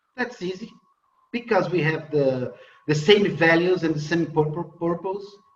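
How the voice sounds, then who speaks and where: A man with a Portuguese accent and lively intonation. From Brazil (Santos). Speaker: lawyer and coach. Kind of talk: online panel Q and A. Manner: halting, repetitive stammering.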